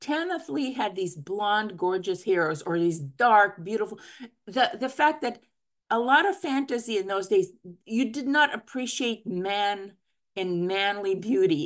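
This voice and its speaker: A woman with an American accent, animated in tone and very wide in pitch swings, at a fairly slow pace over a quiet background. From USSR, came to US as a child refugee. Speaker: author. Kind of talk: interview. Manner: animated, talkative. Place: home room. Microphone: video call.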